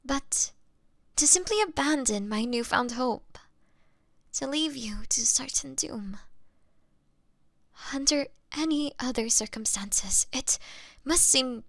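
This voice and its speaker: In a scripted, dramatic audio roleplay monologue, a woman plays a gentle young female vampire who is remorseful and struggling against her bloodlust. She sounds wistful and apologetic, speaking haltingly in a breathy, high-pitched, animated and exaggerated voice that often sinks to a whisper. The recording is dry.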